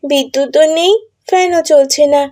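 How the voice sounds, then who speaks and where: A woman plays a young cartoon schoolgirl with a very high voice. She is a stubborn daughter who talks back to her parents in a whiny, protesting way. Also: fairly even intonation, normal speed, warm tone, close to an everyday voice. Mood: distressed. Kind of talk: children's moral cartoon voice acting.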